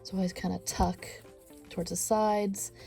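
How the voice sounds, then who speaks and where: A woman with a stuffy nose teaching a crochet tutorial, counting stitches aloud and often sinking to a soft near-whisper. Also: medium pitch, little pitch movement, moderate pace, vocal fry, soft background music. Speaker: crochet instructor. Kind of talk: step-by-step craft tutorial.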